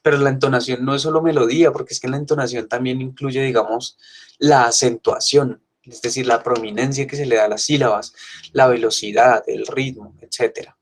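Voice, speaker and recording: A man's voice: mid-range voice, fairly even intonation, fairly quick. Casual man teaching phonetics. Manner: casual explanatory, many fillers like "digamos" and "¿cierto?". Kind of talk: university online class lecture.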